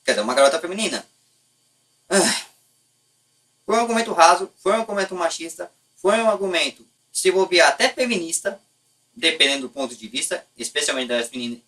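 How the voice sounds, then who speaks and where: A man's voice: a little high, bright, forceful tone, recorded from a distance, low-quality recording. A man with a Brazilian Portuguese accent giving casual, unscripted opinions in a blunt, colloquial way, often stopping to rephrase himself. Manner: blunt, colloquial, lightly profane. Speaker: YouTube host.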